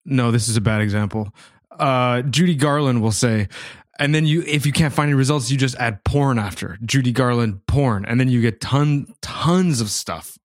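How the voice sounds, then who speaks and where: A man with a mid-pitched voice rambling through jokes and asides on a comedy podcast, quick to laugh. Recorded close and dry. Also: no echo. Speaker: podcast co-host. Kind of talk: casual comedic banter.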